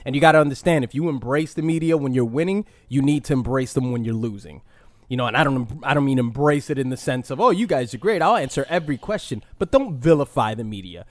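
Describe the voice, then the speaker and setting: A man hosting a podcast, talking in an animated, opinionated way at an ordinary mid pitch. He breaks into playful mock impressions and laughs at himself. His voice sits close and dry, with no room sound. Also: quick pace, no echo. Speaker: podcast host. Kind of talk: casual podcast chat.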